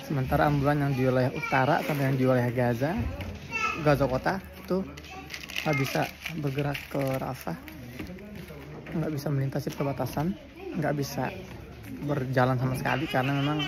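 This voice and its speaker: A man's voice: mid-range voice, steady tone, a little fast, pauses often. A tired man from Indonesia chatting earnestly in a casual vlog, reporting from a border crossing. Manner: chatty and earnest, with soft laughs. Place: outdoors at a crowded border crossing, then a cafe. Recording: crowd noise behind. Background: crowd chatter.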